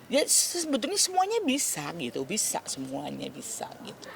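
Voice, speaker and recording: A woman, answering interview questions earnestly and haltingly, often restarting words. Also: a little high, wildly swooping pitch, creaky, slight background noise. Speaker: celebrity guest being interviewed. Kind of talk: emotional interview talk.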